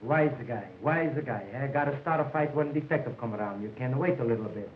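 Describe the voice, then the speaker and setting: A wisecracking hustler, early talkie film. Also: male voice, medium pitch, a little fast. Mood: brash. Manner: wisecracking, pushy, broken English. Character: brash broken-English male hotel hustler. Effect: early talkie film soundtrack. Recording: tinny, echoey early sound film with hiss.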